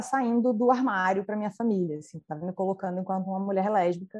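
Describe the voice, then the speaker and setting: Medium-pitched female speech over a quiet background. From Brazil, Recife, raised in Rio de Janeiro. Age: 30s. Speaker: diversity and inclusion education company CEO. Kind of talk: interview. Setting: livestream.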